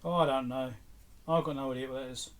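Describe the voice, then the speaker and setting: A man's voice: mid-range voice, fairly even intonation, fast, a little hiss or hum. A middle-aged man talking casually off the cuff, musing to himself like a vlog host as he goes through items. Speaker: host of an electronics repair channel.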